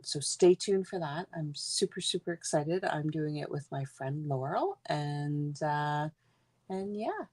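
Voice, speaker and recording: Deep, slow, stuffed-up woman. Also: dry recording. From Guelph, Ontario, Canada. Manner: chatty, rambling. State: congested, stuffed up. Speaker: stamping demonstrator. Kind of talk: live card-making demo.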